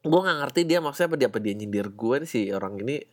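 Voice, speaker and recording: A man's voice: mid-range voice, expressive, very fast. A man hosting a solo podcast, talking in a rambling, slangy, profane way with lots of fillers. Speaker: podcast host. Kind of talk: casual solo podcast monologue.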